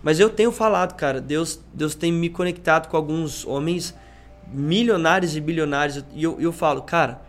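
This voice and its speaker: A man guests on a podcast and tells a story with lots of slang, acting out what each person said. His voice sits a little high. Soft music plays faintly behind him. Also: normal speed. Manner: slangy, peppers speech with "cara" and "mano"; acts out quoted dialogue in changing voices. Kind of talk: animated storytelling in casual chat.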